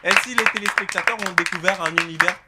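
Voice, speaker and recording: A man hosting a TV talk show, presenting in a lively, emphatic showman's way to guests and camera. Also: sits high, fast, over a noisy crowd, very noisy. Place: TV studio.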